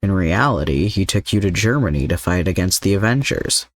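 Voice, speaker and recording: A man voicing a calm, manipulative older mercenary villain in an audio story, composed and coaxing. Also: low-pitched, a little fast, no room sound, studio quality.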